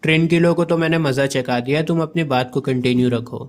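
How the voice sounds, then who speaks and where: A man playing a drunken, bossy, hot-tempered male butler in a brisk, commanding way. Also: on the high side, natural voice.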